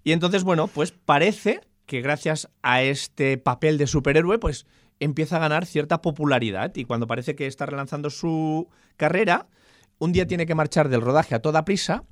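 A man from Catalonia co-hosting a casual chat about new film releases, relaxed and joking as he retells plots. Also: fairly high pitch, moderate pace, no room sound, studio quality. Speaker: podcast co-host.

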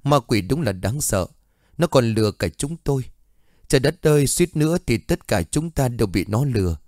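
A smooth-talking woman psychic addresses a crowd with persuasive exclamations, as a man narrating puts her on. The delivery is lively and recorded dry and close. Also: mid-range voice, normal speed, no echo, lightly acted.

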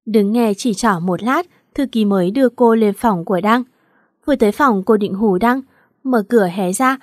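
A woman's voice: mid-range voice, a little mellow, dry recording. Woman narrating a story, dry and close. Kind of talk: scripted narration.

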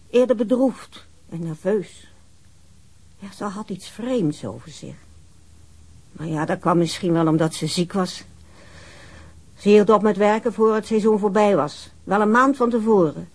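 An actor in a radio drama playing a chatty, reflective co-worker giving a witness account, with a husky voice. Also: male voice, high-pitched.

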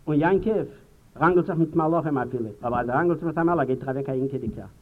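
A man in his sixties giving a public lecture, speaking earnestly to the audience and swinging between loud emphasis and quiet asides. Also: fairly high pitch, fast. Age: 60s. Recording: tinny, hissy 1950s archival tape.

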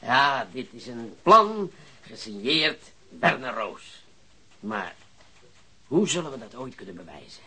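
Excitable, gloating husky police investigator. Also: male voice, medium pitch, slow, long pauses, heavily acted. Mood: delighted, then frustrated. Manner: exclamatory, repeats words, gloating. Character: excitable, gloating male police investigator eager for a big catch. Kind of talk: Dutch radio drama acting.

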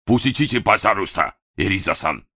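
A man's voice: deep voice, expressive, moderate pace, pushed and bright, pitched above the performer's own voice, exaggerated voice. A man voicing a comic, proud Japanese male servant with a heavy Japanese accent, swapping l for r. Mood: polite. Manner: swaps l for r, lisping syllables.

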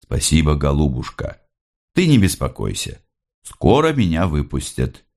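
A man voicing a gentle, restrained young son in prison, speaking softly and quietly. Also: a bass voice, huge pitch swings, a little slow, creaky, full character voice. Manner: soft and quiet.

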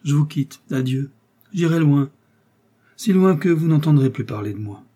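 A man reading a novel aloud and voicing a smooth, scheming male seducer who pleads with melancholy passion. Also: a little high, animated, moderate pace, warm tone, pitched above the performer's own voice. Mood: impassioned. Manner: melancholy, impassioned declarations. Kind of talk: audiobook character voice.

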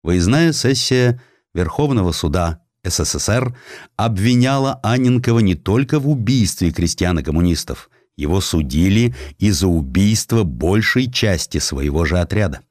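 A man narrates a historical essay as an audiobook. His voice sits low, and his delivery is measured and grave, like serious dramatic storytelling. The sound is dry, with very little room in it. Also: lively intonation, darkish tone, dry recording.

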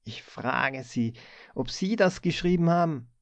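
A man reading an audiobook, voicing a brusque young male office chief who scolds a clerk in a sharp, rasping voice. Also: unhurried, no room sound. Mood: angry scolding. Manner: barks and scolds in a high strained shout.

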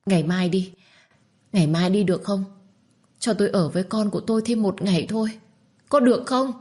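A woman voices a desperate young woman tearfully begging to keep her child, her delivery high and pressing. She speaks a little fast in a natural, darkish voice.

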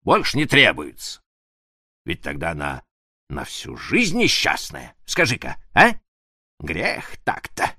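Brief: a man playing a worried, pleading nobleman in a storybook reading, lively tone. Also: low voice, takes it slowly, gravelly, breathy edge, dry recording, clean studio sound, exaggerated voice. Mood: pressing.

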